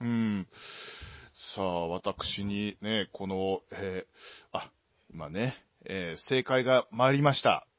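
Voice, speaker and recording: A man with a fairly low voice speaks very slowly, leaving long, frequent pauses, his loudness swinging widely and his pitch varying in an ordinary way. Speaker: podcast host. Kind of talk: casual chat. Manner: speaking louder than usual.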